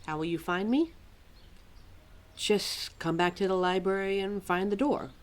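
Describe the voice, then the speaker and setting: A woman acts out a female keeper of forgotten lore in an audio roleplay. The keeper talks slowly at a middling pitch, rambling in a chatty way. There is an indignant streak, and a habit of thinking out loud to herself. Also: natural voice. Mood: helpful, chatty. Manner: rambling, talks to self, animated, sighing. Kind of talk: ad-libbed audio roleplay, addressed to a listener.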